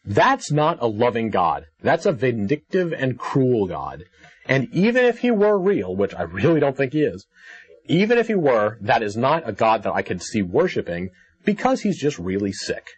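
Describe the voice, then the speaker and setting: Husky, animated man debating on call-in radio. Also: mid-range voice, normal speed. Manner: argumentative, sceptical, challenging. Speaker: call-in radio show host. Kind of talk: debating a caller. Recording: dull, lo-fi radio show audio.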